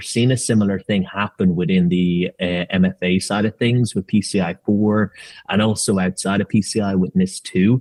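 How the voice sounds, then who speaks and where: In an Irish accent, a man with a fairly low pitch speaks at a moderate pace and with fairly even intonation, the sound dry and close with no echo. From Ireland. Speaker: tech company representative, guest. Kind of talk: podcast interview.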